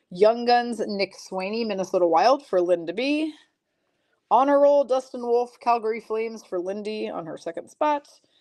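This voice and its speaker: A woman's fairly high voice has a dark, mellow tone, lively intonation and big swings in loudness. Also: moderate pace. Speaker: trading card break host. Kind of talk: live stream card break commentary. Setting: live stream.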